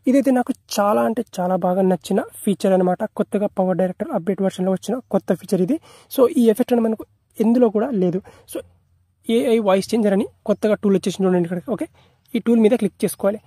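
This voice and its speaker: A man's voice: high-pitched, very fast, warm tone, no room sound, clean studio sound. A man narrating an app tutorial in a repetitive, instructional way, mixing in English tech terms.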